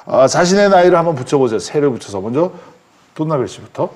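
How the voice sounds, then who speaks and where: A man in his forties teaching a language class, explaining patiently and slowly, with frequent restarts. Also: fairly high pitch, big pitch swings. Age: 40s. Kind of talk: classroom instruction.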